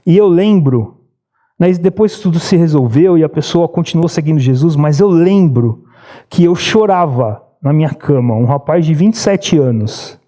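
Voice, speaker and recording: Earnest Brazilian pastor with a high, dark voice. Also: male voice, lively intonation, moderate pace. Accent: Brazilian Portuguese. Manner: earnest storytelling preacher, rises in pitch when urging. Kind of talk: sermon. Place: church sanctuary.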